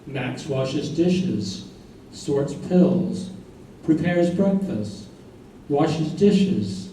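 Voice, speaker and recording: A man's voice: a little high, lively intonation, drawn-out words, mellow, slight background noise. A man performing as a sombre narrator in a staged reading. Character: male narrator, sombre, chorus-like. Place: live staged reading in an echoey room. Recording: very echoey, distant stage recording.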